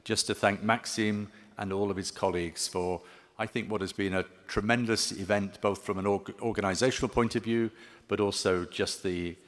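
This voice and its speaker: A man giving closing remarks at a conference, speaking haltingly with many ums and restarts. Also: fairly low pitch, fairly even intonation, a bit bright. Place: conference hall. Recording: long reverb of a large hall.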